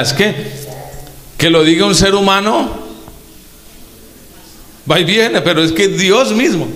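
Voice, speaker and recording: Slow, emphatic preacher man. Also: on the high side, fairly bright tone, roomy sound, long reverb tail, rough recording. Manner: emphatic, drawn-out preaching with rhetorical questions to the congregation. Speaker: pastor. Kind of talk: Pentecostal sermon.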